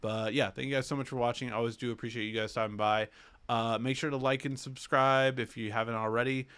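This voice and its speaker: Smooth-voiced man hosting a tech livestream. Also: mid-range voice, flat delivery, fast, a bit bright. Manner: reads viewer questions aloud, answers with many fillers and restarts. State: slightly stuffy nose. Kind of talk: casual live Q&A chat.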